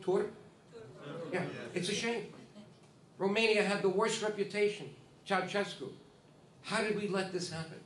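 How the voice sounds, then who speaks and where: Emphatic male ceremony speaker, off the cuff, recorded from afar in a roomy hall with faint hiss. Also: high voice. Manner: emphatic, repeats himself, talks to the audience. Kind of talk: informal speech at a ceremony. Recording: echoey hall, distant mic, faint hiss.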